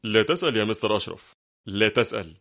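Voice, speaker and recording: A man reading a ruthless foreign spy in an audiobook, giving him a harsh, gruff voice and a stern, sarcastic menace. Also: on the low side, lively intonation, fast talker, fairly bright tone. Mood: menacing.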